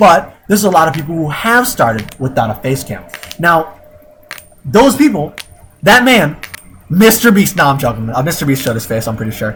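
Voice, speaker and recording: A loud man's voice, fairly high in pitch, with very wide pitch swings, a fairly quick pace and long, frequent pauses over noticeable background noise. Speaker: gaming YouTuber. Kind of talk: casual gaming commentary. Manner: animated.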